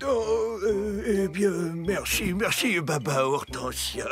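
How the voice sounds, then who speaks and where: A man's voice: high-pitched, slow, a bit bright, soft background music. A man voicing a shy, flustered, polite bumblebee in a French cartoon dub, speaking hesitantly.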